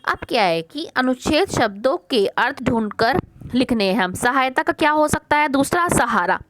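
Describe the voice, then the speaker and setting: A woman teacher with a fairly high voice works through a worksheet for young children. She poses each question and answers it herself, saying key words slowly and more than once, and drops in English words like "question" and "first". A faint hiss and clicks sit under the recording. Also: expressive. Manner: calls the pupils "beta". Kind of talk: worksheet lesson for young pupils.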